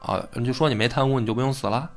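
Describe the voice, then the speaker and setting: A man's voice: mid-range voice, rapid-fire, faint music behind, natural voice. A man voicing a scheming court eunuch who speaks curtly and dismissively. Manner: curt, dismissive.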